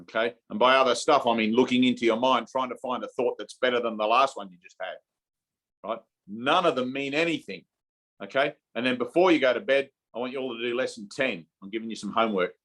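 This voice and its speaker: A man leads an informal spiritual teaching session over a video call, frequently checking in with "okay?" and "right?". He speaks a little fast in a medium-pitched, fairly bright voice.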